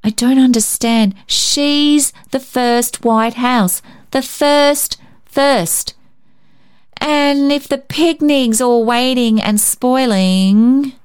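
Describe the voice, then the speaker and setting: A woman's voice: high voice, very slow, smooth, voice pushed up. A woman voicing an earnest, eager little boy in a storybook reading. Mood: pleading, puzzled.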